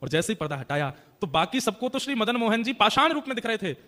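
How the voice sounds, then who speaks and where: Fast, high-voiced male storyteller. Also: big-room sound. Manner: animated, dramatic, emotional. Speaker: religious storyteller. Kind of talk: devotional katha storytelling.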